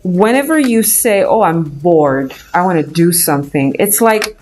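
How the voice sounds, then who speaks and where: A man's voice: sits high, expressive, a little slow, a little mellow, faint music behind. A young man from Romania with a Romanian accent, chatting casually on a live trading stream, thinking aloud with many fillers and restarts. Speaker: day trader streaming live.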